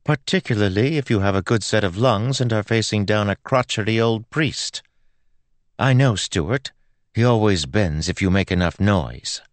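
A man voicing a stubborn, outspoken teenage girl in an audiobook, with a loud, dramatic, insistent manner. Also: mid-range voice, animated, moderate pace, no room sound, voice pushed up, close to an everyday voice. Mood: airy, pleased.

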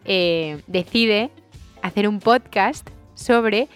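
A woman's voice: mid-range voice, smooth. Woman, podcast co-host, casual chat, rambling storyteller, faint music behind. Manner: chatty, rambling storyteller with quick bursts.

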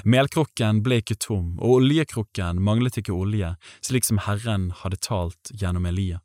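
A man reading scripture aloud in a measured, even way, in a scripted audiobook style. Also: fairly low pitch, no echo, clean studio sound. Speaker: Bible reader.

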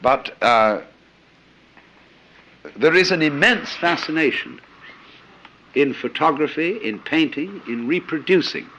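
A man's voice: on the high side, lively intonation, takes it slowly, long pauses, sharp tone, highs cut off, slight background noise. An older man giving a reflective, anecdotal lecture, musing aloud with frequent "you see" and hesitant "uh"s. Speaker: lecturer on philosophy.

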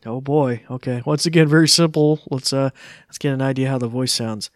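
A man's voice: mid-range voice, steady tone, a little fast, dry recording, studio quality. A man giving a casual live tech demo, informal and hesitant, easily amused. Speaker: tech demonstrator.

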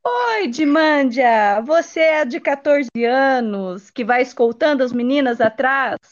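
A woman's voice: sits high, expressive, a little slow, dull audio. A woman interviewing children casually, with an exclamatory, encouraging manner.

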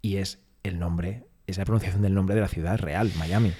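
A man's voice: low-pitched, fairly even intonation, moderate pace, mellow. A man with a Spanish accent from Spain co-hosting a podcast, explaining things and teasing in casual chat. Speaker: podcast co-host. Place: small home studio with some echo.

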